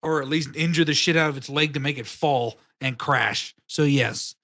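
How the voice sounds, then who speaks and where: A man co-hosts a casual podcast, rambling and restarting his sentences as he makes his case. He swears freely, and his voice sits a little higher than most men's. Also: normal speed, fairly bright tone. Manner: rambling, profane, restarts a lot. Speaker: podcast co-host. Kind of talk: casual chat.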